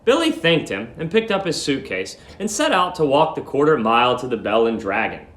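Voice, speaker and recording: A man's voice: mid-range voice, sing-song, fairly quick, fairly bright tone. Man reading aloud in an echoey room. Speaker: teacher reading aloud to students. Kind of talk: live read-aloud lesson, dramatic story narration. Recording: roomy echo.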